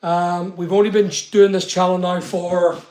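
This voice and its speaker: A man's voice: high-pitched, level tone, normal speed, a little mellow. A middle-aged man with a Northern Irish accent, chatting casually to his channel while directing a helper at work, recorded from a distance in an echoey room. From England. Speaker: channel host. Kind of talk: casual chat while working. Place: studio room under construction, indoors. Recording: echoey room, distant mic, faint noise.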